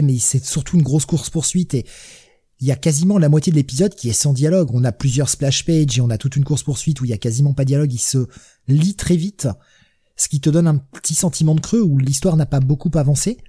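A man hosting a relaxed comics podcast. His voice is mellow and a little husky. He talks casually, swears often and laughs at his own jokes. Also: a little high, fast talker. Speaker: podcast host. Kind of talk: casual chat.

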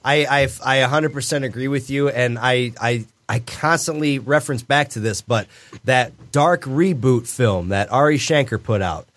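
A man's voice: mid-range voice, moderate pace, fairly bright tone. Emphatic man on a podcast. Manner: emphatic, insistent. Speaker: podcast co-host. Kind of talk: casual chat.

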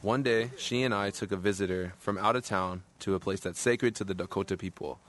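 Low-voiced young man recalling childhood. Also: fairly bright tone. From Minnesota, United States. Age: 20s. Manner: reflective, unhurried storytelling. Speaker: interviewee telling his story. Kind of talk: personal recollection.

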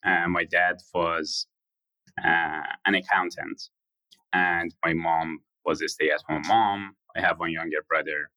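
Man, low pitch, crisp bright tone, measured pauses, dry sound. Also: little pitch movement, no room sound, rough recording. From Iran. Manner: measured, explanatory, frequent pauses. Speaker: guest founder. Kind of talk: interview answers.

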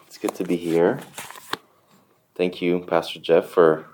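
Low-voiced man with a Romanian accent. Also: a little slow, a little hiss or hum. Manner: relaxed, chatty, many fillers, soft chuckles. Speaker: church planter giving a testimony. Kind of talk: conversational church testimony.

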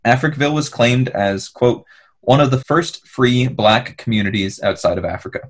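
Man, husky voice, wry storyteller, podcast host, remote call. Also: medium pitch, moderate pace. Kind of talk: storytelling narration with casual banter.

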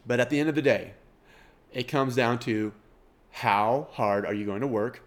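A man's voice: medium pitch, normal speed. A middle-aged man with a Kansas twang and a nasal voice, hosting a podcast in a rambling, self-deprecating casual monologue. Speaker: podcast host.

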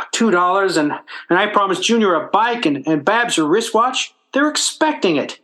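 A hapless working-class family man played by a male actor in an old-time radio sitcom. He blusters and stammers in folksy, ungrammatical speech, his pitch lurching up and down. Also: expressive, moderate pace, pushed and bright. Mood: sheepish, worried.

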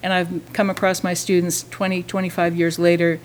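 Enthusiastic woman, lowish voice. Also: flat delivery, fairly quick, slight background noise. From Vermont, USA. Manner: enthusiastic, chatty, full of praise words. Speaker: musician and French teacher. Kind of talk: casual interview talk.

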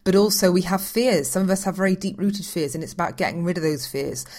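A woman hosting a podcast talks in a chatty, enthusiastic way. Her voice sits a little low for a woman, and she circles back and repeats herself as she goes. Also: fast talker, darkish tone. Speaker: podcast host. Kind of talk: podcast intro and interview.

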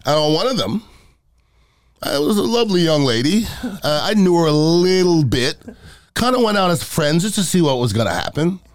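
A man's voice: a little high, big pitch swings, moderate pace. A middle-aged man chatting casually and telling comic stories, blunt and emphatic, often repeating himself to drive a point home. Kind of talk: casual comic chat and storytelling.

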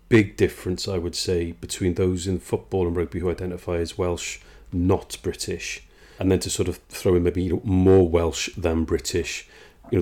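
A man's voice: low voice, darkish tone. A man interviewing a researcher, reflective and hesitant, often repeating words. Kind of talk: conversational interview.

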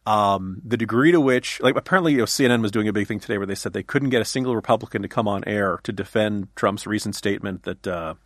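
A man's voice: on the low side, quick pace, hardly any pauses, no echo, clean studio sound. A man appearing as a guest author on a podcast, talking in casual political chat, rambling with many restarts and jokes.

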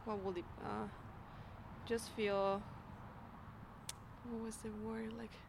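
A young woman with a gravelly edge to her voice talks haltingly, full of fillers and restarts as she hunts for words in English. The recording has a clear hiss and noise behind her. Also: mid-range voice, little pitch movement. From Mexico. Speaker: youth program worker at an immigrant services agency. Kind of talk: casual interview answers. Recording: noisy recording.

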